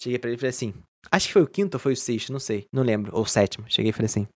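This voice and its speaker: A man from Brazil hosting a casual chat, telling stories in a profane, animated way. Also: mid-range voice, very fast.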